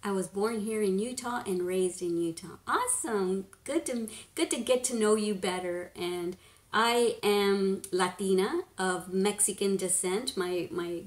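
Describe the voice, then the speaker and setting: A woman's voice: medium pitch, unhurried. Woman in her 50s, live stream from the living room, webcam, rambly and giggly, voice rings around the room. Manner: chatty, rambling, laughs often, drops to a hush at times. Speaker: beauty vlogger, live stream host. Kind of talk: casual live-stream chat reading comments. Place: living room at home, indoors. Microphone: webcam at desk distance. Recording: echoey room.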